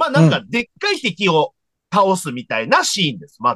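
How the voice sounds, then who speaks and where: A man's raised, projected voice with a dry, close sound and no echo. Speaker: comedian and podcast co-host. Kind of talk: casual chat.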